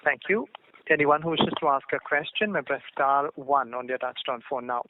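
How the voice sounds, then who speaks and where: A man's voice: medium pitch, normal speed. A man working as a conference call operator, making scripted announcements and handing over to callers. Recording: noisy narrowband phone line.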